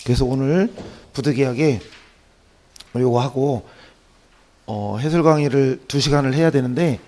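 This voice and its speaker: Man, dark mellow tone, hoarse with a cold, classroom exam lecturer, short tag questions. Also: medium pitch, unhurried. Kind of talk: classroom lecture going through practice questions.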